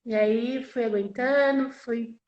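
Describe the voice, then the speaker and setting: High-voiced woman interpreting in a roomy space. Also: steady tone, slow pace, muffled recording. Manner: conversational, with frequent tag questions and repeated phrases. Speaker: interpreter voicing a deaf signer in first person. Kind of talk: live spoken interpretation of a personal story.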